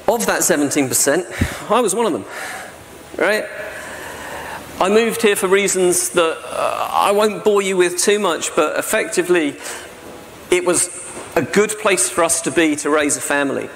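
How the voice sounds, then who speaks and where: A man in his forties from South-East England gives a presentation at a lectern stand mic on a stage in a large, dark hall with a projection screen. His voice is a bit bright and a little high for a man, at a normal pace, chatty and self-deprecating, and he keeps tacking on "right?". The hall adds long reverb, with faint hiss behind him.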